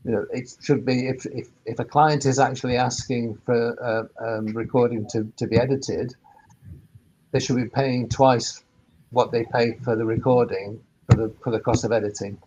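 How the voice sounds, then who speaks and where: A man with a mid-pitched voice talks as an expert on a panel. He explains things informally and haltingly, doubling back on words as he goes. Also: flat delivery, darkish tone, dull audio, a little hiss or hum. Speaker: webinar panellist, sound engineer turned workspace operator.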